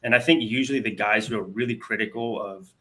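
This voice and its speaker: A man's voice: lowish voice, quick pace, sharp tone. A man hosting a podcast, talking through his views in a casual, analytical way with lots of fillers and some teasing. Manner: analytical, ribbing, uses many fillers. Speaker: podcast host. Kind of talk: casual chat.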